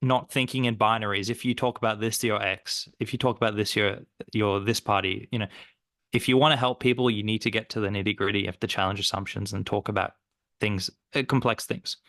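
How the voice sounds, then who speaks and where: A man's voice: lowish voice, fairly even intonation, a little fast, fairly bright tone, no echo, clean studio sound. A man hosting an interview, rambling enthusiastically with fillers before he gets to his question. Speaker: interviewer host. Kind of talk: conversational interview.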